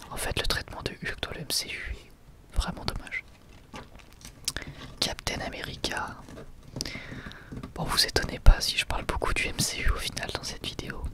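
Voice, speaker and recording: Casting: ASMR host, soft library whisper throughout, casual unhurried book commentary with musing asides.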